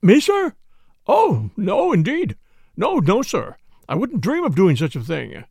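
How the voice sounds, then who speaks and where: Storybook butler, played by a male reader: high, lilting, formal, deferential, easily scandalized, dry close recording. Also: wildly swooping pitch, unhurried, gravelly, a little mellow, slightly rough, no room sound, heavily acted. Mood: flustered, deferential. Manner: formal, servile, punctuated with "sir". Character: impassive male butler, deferential, shocked and proper. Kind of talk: audiobook character dialogue.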